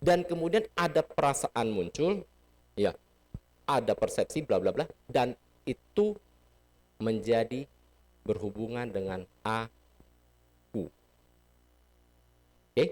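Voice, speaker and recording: A man's voice: mid-range voice, expressive, slow pace, long pauses, darkish tone. A man giving a casual Buddhist sermon in a temple hall, teaching playfully and asking the audience questions. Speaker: Buddhist dharma speaker.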